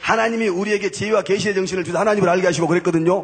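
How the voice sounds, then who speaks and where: Noticeable background noise sits behind a man with a high pitch. His monotone, flat delivery moves at a very fast pace. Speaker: church deacon, former gangster giving testimony. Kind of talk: sermon.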